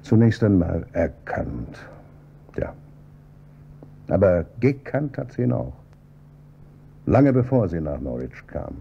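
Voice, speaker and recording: An actor playing a calm, probing police inspector who heads homicide in a radio drama, with a dry, measured delivery. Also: male voice, low voice, gravelly, heavily acted. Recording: dull, slightly noisy audio with hum.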